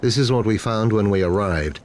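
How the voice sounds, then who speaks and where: A serious military officer acted by a man briefing in a game cutscene. The voice is fairly low and clipped, matter-of-fact, with faint noise behind it. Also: moderate pace, a little mellow, lightly acted. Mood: urgent, serious. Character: male military officer reporting, serious, businesslike. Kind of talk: scripted game cutscene dialogue.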